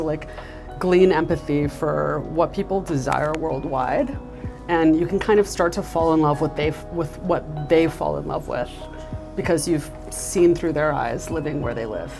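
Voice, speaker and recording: A woman with a low, deep-set voice speaks as a marketing executive in an interview. She sounds enthusiastic and uses plenty of casual fillers. Faint music plays behind her. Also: vocal fry. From United States. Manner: enthusiastic, fillers like "you know" and "like".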